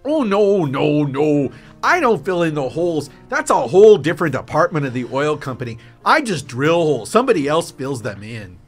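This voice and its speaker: Man acting an eager, husky-voiced geologist. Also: fairly high pitch, very animated, normal speed, few pauses, faint music behind. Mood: defensive. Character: eager, awkward Canadian oil geologist on a dinner date. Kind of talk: improvised radio drama dialogue.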